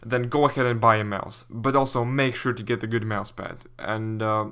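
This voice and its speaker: A man's voice: lowish voice, fairly even intonation, normal speed, a bit bright, smooth. A young man with a Latvian accent casually commentating, reading viewer questions and answering them as a gaming YouTuber.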